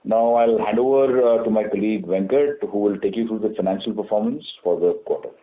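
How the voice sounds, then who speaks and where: Over a narrow, muffled phone line, a man presents company results. He is formal and measured in wording, but halting, often filling gaps with uh as he reports. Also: on the low side. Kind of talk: prepared business report on a conference call. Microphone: telephone conference call.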